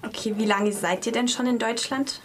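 A woman's voice: a little high, moderate pace, slight background noise. Casual woman interviewer with fillers.

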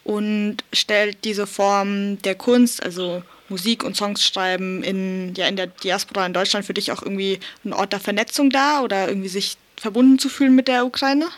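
A woman's voice: mid-range voice, fairly even intonation, normal speed, hardly any pauses. A woman interviewing a musician, asking curious, open questions.

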